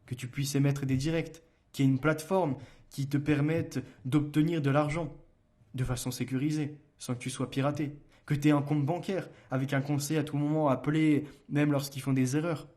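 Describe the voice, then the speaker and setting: A man's voice: a little high, fairly even intonation, moderate pace, darkish tone. A man hosting a solo commentary show. He argues and challenges listeners with rhetorical questions, reads book passages aloud, and often hesitates and restarts. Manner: argumentative, addresses listeners directly with rhetorical questions.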